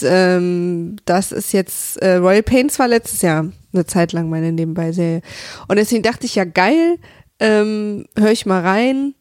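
A woman's voice: mid-range voice, darkish tone, dry recording, clean studio sound. Chatty woman podcasting from home. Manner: chatty, rambling, with frequent fillers and laughs. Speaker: podcast host. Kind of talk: casual podcast monologue. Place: home office.

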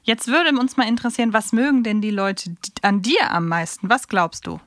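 A woman's voice: a little high, a little fast, fairly bright tone, no room sound, studio quality. A woman co-hosting a fan podcast, asking questions and commenting in a conversational way. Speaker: podcast co-host.

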